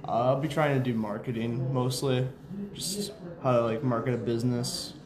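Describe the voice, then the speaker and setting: A man's voice: medium pitch, normal speed, a little mellow. A young adult man with an American accent giving casual, hesitant, informal answers as an interview guest. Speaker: school mascot, interview guest. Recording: crowd chatter behind the voice. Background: crowd chatter.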